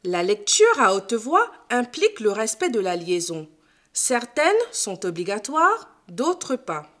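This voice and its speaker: A woman's voice: medium pitch, very animated, a bit bright. A woman teacher giving a scripted lesson, explaining carefully and didactically. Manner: slow, careful, didactic delivery. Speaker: French teacher.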